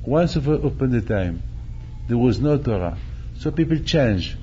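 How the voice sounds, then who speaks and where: An older rabbi preaches slowly in a dark, mellow voice, often repeating himself and acting out little dialogues. The sound is a bit dull, with a faint hum behind it. He speaks into a stand mic in a synagogue hall. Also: medium pitch. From Morocco. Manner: animated, gesturing, repeats phrases and acts out quotes. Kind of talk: sermon. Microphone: stand mic at chest.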